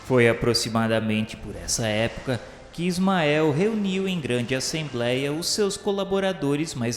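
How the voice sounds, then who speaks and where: Male narrator, Brazilian accent, for solemn radio storytelling; literary and measured, drenched in reverb over music. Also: on the high side. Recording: echoey hall reverb, music underneath. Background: background music.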